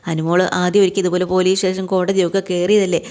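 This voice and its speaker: A woman's voice: lowish voice, flat delivery, fast talker, a little mellow. Chatty woman recapping a serial. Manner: chatty, keeps adding tag words to the listener. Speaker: storyteller recapping a TV serial episode. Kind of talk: casual spoken recap.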